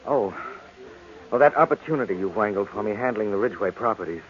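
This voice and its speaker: Man playing fast-talking young sweetheart, old radio. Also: lowish voice, expressive, lightly acted. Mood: modest, earnest. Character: handsome, modest young male sweetheart. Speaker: radio drama actor. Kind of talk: 1940s American radio drama acting. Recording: muffled old radio recording.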